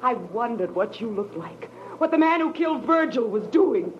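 An actress playing a bitter, half-crazed widow bent on revenge in a 1940s radio crime drama, theatrical, scornful and menacing. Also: female voice, fairly high pitch, expressive, normal speed, natural voice. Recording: muffled old radio recording, faint hiss.

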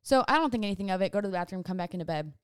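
A woman's voice: mid-range voice, expressive, rapid-fire, clear, resonant tone, no room sound, studio quality. A young woman in her twenties telling a long, rambling storytime to camera in casual chat, sidetracking often. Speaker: vlogger. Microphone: phone or camera on a stand.

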